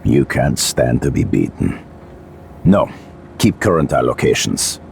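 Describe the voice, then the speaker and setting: An actor playing a cold, ruthless male mercenary commander in a video game, speaking in a clipped, menacing way with a gravelly voice. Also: extremely low pitch, sing-song, measured pace, a little hiss or hum, heavily acted. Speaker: hired mercenary.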